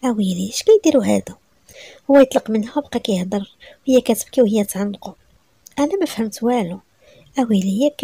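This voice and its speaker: A woman's voice: on the high side, gravelly, warm tone, no room sound. A woman with a Moroccan Arabic accent narrating a first-person story in an emotional, breathless way.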